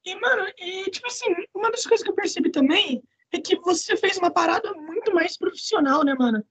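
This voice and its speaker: A woman's voice: extremely high pitch, expressive, a little fast. A woman in her twenties interviewing casually, using slang and informal speech. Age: 20s.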